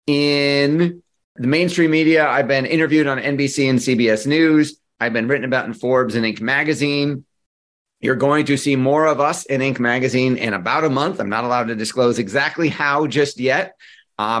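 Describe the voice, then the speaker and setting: A middle-aged man leads a workshop for an audience, speaking at a mid-range pitch. He talks in a lively, conversational way. He tells stories from his own life and acts out the dialogue as he goes. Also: moderate pace. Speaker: marketing coach. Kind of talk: workshop presentation with personal storytelling.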